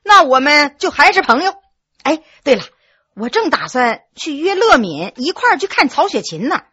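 A woman's voice: high-pitched, big pitch swings, moderate pace, pushed and bright, no room sound, dull audio, exaggerated voice. A woman storyteller voicing a jovial male friend who chats and teases. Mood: chatty. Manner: chatty and teasing.

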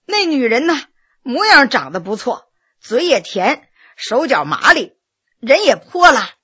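A woman's voice: sits high, big pitch swings, unhurried, sharp tone, husky, heavily acted. Woman voicing a stammering nervous magistrate. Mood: confessing. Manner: stammering, sighing, pleading. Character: humble nervous male county magistrate, middle-aged.

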